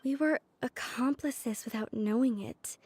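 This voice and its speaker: A mellow, worried scholar. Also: female voice, on the high side, a little slow, slightly rough. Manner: apprehensive. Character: worried, apprehensive female scholar. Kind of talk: video game voice acting.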